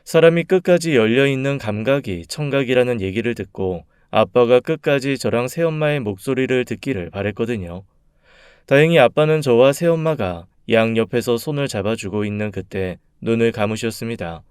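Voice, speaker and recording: Calm man narrating a story. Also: mid-range voice, moderate pace, clean tone, no echo, studio quality.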